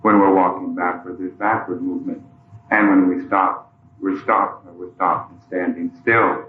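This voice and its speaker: Calm low-voiced man giving translation voice-over. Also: a little hiss or hum. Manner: calm, measured, with frequent "uh" while rendering the teaching. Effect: translation voice-over following the original speaker. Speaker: interpreter translating a monk's talk into English. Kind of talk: live consecutive translation of a dharma talk. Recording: tinny, echoey old hall recording.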